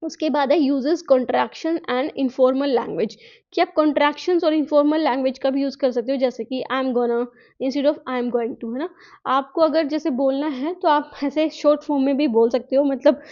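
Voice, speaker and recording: A woman teacher gives a recorded lecture, mixing Hindi and English, reading points slowly and then explaining them in a chatty way with frequent tag questions. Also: high-pitched, darkish tone. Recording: dull lo-fi recording.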